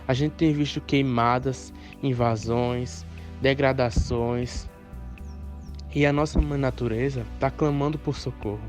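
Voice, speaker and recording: A man's voice: medium pitch, fairly even intonation, measured pace, faint music behind. A Brazilian man giving earnest, explanatory interview talk.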